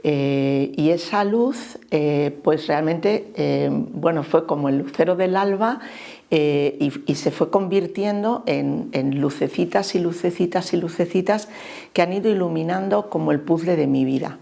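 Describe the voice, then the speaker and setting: A woman's voice: deep voice, vocal fry. A woman in her fifties from Spain with a Spain Spanish accent, giving a hesitant, reflective personal testimony. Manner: hesitant, many pauses and soft fillers. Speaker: interviewee giving faith testimony.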